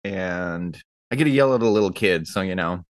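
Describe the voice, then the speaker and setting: A male podcast player talks in a loose, casual way. His voice sits on the low side, and the recording is close and dry, with little room around it. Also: animated, moderate pace, no echo. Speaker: podcast player and stage actor. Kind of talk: casual chat.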